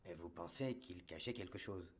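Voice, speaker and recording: A man's voice: sits low, normal speed, slight background noise, natural voice. An actor playing a persistent male documentary interviewer who asks probing questions.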